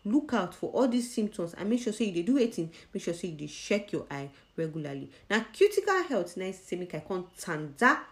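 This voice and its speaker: A woman's voice: lowish voice, very animated, brisk, hardly any pauses. A woman with a Nigerian accent speaking Nigerian Pidgin, presenting a conversational health explainer in an emphatic way, posing questions to the listener and answering them.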